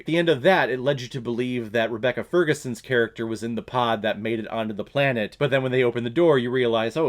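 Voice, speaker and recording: A young man talks straight to his viewers about a film he just watched. His voice sits in a middle register, and his take is blunt and sarcastic. He curses now and then and talks like he is chatting with friends. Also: medium pitch. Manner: blunt and sarcastic, laughs and swears at characters. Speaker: movie review channel host. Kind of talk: casual movie review monologue.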